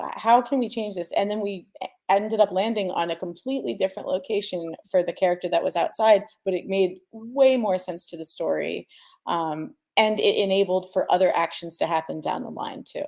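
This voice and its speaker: Woman, lowish voice, strong vocal fry, informal panel explanation, thinking aloud. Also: fairly quick, mellow. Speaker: sound designer on a panel. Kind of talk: casual explanatory panel talk.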